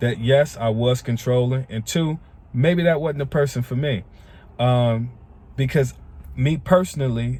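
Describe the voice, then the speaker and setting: His voice comes out somewhat breathy. The man speaks at a fairly slow pace. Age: 30s. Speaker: fitness and self-improvement vlogger. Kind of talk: casual vlog monologue. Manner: unscripted, halting with fillers.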